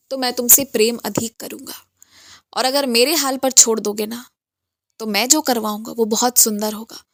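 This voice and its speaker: A gentle, coaxing spiritual master counsels a devotee in a devotional message, voiced by a woman in her own fairly high voice. The delivery is instructive and patient. The recording is dry and close, with no room sound. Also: dry recording, natural voice. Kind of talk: devotional message read in first person as the master.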